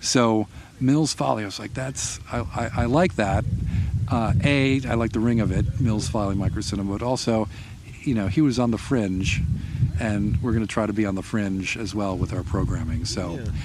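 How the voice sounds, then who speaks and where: With an American accent and a fairly low pitch, a man talks at a moderate pace with ordinary pitch variation, while audible room echo and noticeable background noise fill the recording. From Madison, Wisconsin. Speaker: film critic. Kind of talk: casual interview. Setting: outdoors in a park.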